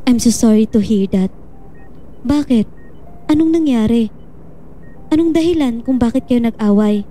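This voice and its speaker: An actress playing a gentle, reassuring woman doctor in a Filipino audio drama, speaking patiently and supportively. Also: fairly high pitch, expressive, normal speed, lightly acted. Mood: sympathetic.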